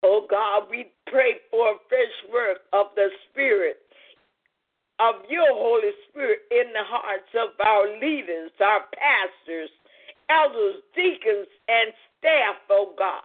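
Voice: medium pitch, slow. A Christian prayer leader praying aloud off the cuff, fervently, with repeated exclamatory invocations. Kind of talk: extemporaneous intercessory prayer. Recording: muffled narrow phone-like audio.

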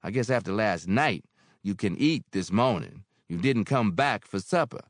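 A man voicing an older, motherly landlady who is gruff but kind, scolding and teasing in a warm, bossy way in an audiobook. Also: on the low side, animated, moderate pace, dry recording, clean studio sound, voice pushed up. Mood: bossy caring. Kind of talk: audiobook character voice.

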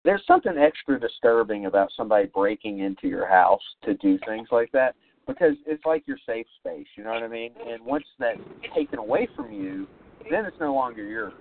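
A man hosting a podcast, asking halting questions that he often restarts. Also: mid-range voice, sing-song, creaky, a little hiss or hum. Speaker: podcast host. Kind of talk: interview questions. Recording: tinny phone-line audio.

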